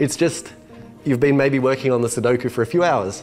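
The speaker has an Australian accent and ordinary pitch variation. Faint music plays in the background. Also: man. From New South Wales, Australia. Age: 30s. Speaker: mathematics professor. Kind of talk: TV interview answer. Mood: enthusiastic, smiling, laughing. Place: classroom. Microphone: lapel.

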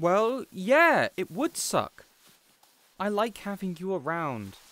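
A man's put-on character voice, high in pitch, slow in pace, with big pitch swings. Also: fairly bright tone.

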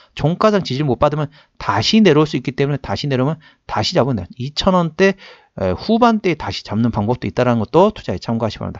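A man speaks at a very fast pace with very wide pitch swings. The background is quiet. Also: dry, close sound with no echo. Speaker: stock market analyst. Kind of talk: stock chart analysis broadcast.

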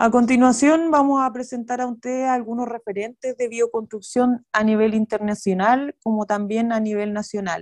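A woman speaks at a fairly high pitch in an ordinary speaking voice, her intonation fairly even. She keeps a moderate pace with hardly any pauses over a quiet background. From Chile. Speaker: civil builder presenting a proposal; presenter. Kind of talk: formal presentation. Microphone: video call.

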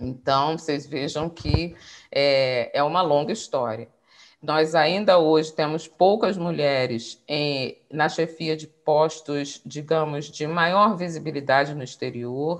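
Very deep, low pitch from a woman at a very slow pace against a quiet background. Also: ordinary pitch variation. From Rio de Janeiro, Brazil. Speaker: diplomat; guest. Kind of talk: interview. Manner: fluent. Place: home room. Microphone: video call.

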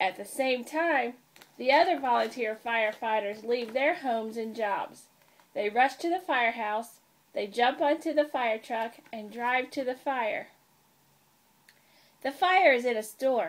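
A woman speaks fairly slowly in a high pitch with ordinary pitch variation, leaving long, frequent pauses. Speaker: preschool teacher. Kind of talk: read-aloud storytelling for children. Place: home room. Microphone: webcam.

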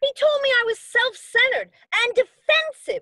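A woman uses a put-on character voice, squeaky and extremely high in pitch. She goes at a moderate pace with fairly even intonation, and the sound is dry and close with no echo. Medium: stage play. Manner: combative, quick.

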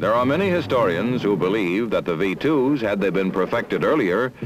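Music plays behind a man speaking at a moderate pace in a dramatic tone. His pitch swings very widely, and the sound is dry with no echo. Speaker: documentary narrator. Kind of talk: 1970s newsreel narration. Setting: studio voiceover over film footage. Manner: formal, authoritative, measured, dramatic announcer delivery. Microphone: old recording.

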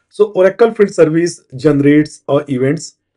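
Over a quiet background, a man with a dark, mellow tone speaks at a moderate pace with ordinary pitch variation. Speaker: software integration instructor. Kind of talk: tutorial.

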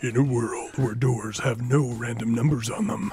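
A man puts on a character voice with a dramatic tone. His pitch is medium, with ordinary variation. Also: moderate pace. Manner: dramatic trailer narration.

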